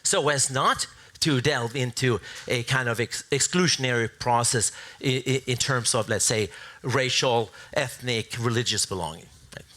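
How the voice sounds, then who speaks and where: Bright-voiced man arguing on a panel. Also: mid-range voice. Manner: deliberate, professorial, often tags points with "right?". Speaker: debate panelist. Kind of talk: public panel debate argument.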